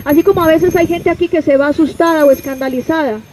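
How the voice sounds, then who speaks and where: A woman's voice: sits high, fast talker, background noise. A Colombian woman preaching an open-air street sermon, pressing her listeners with rhetorical questions and direct address. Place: outdoors on a city street.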